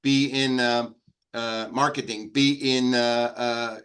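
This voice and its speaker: Austrian man, halting and animated. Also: medium pitch, smooth. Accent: Austrian German. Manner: halting, restarts often, animated. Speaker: guest. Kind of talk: conversational interview.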